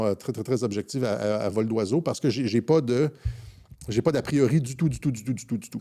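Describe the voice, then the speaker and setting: This man has a dark, mellow tone, a medium pitch and ordinary pitch variation. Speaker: political commentator. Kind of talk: political commentary monologue. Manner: fast.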